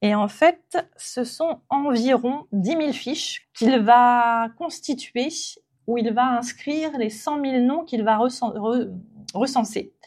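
A woman with a slightly higher voice presents a collection to visitors as a guide. She talks off the cuff, stopping often with hesitant filler sounds and restarting her phrases. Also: a little mellow. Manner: hesitant, frequent filler pauses.

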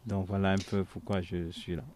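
A man's voice: low voice, level tone, normal speed, a little mellow. A man, a Catholic friar and priest giving reflective, earnest interview answers with frequent hesitations. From Cameroon.

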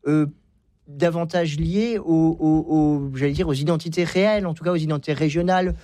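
A man's voice: on the high side, steady tone, fairly quick, warm tone, dry recording. A man speaking as a guest historian in a radio debate. He talks hesitantly, with many restarts and fillers. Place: radio studio.

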